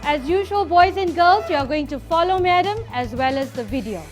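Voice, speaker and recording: A woman teaching a reading lesson to a class, lively and playful. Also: extremely high pitch, brisk, music in the background. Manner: lively, switching to a playful storyteller persona.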